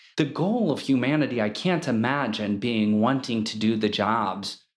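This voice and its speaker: Speaking with an American accent at a medium pitch, a man uses lively intonation against a quiet background. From US Midwest (Akron, Ohio). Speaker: tech company founder. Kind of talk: interview.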